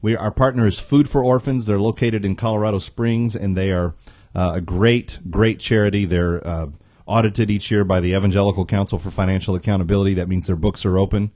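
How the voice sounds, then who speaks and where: A man's voice: lowish voice, fairly even intonation, fairly quick, dark tone, no echo. An American man hosting talk radio on a close studio microphone, earnest and emphatic, repeating key phrases for weight. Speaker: radio host.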